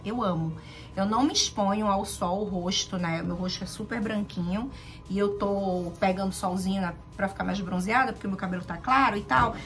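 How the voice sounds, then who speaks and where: A woman's voice: mid-range voice, fairly bright tone. A woman in her thirties with a Brazilian Portuguese accent, chatting informally to camera as a beauty vlogger, often checking in with viewers. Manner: chatty, informal, frequent tag questions to viewers. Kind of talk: casual chat to camera, product haul. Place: walk-in closet at home, indoors.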